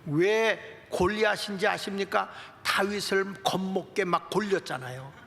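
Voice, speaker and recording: A middle-aged man preaching with a high, gravelly, bright voice. He tells the stories with lively acting, taking on voices for prayers and taunts. The sound rings with a long church-hall reverb. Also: unhurried, slight background noise. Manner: animated storytelling preacher, acts out prayers and taunts. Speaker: pastor. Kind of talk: sermon.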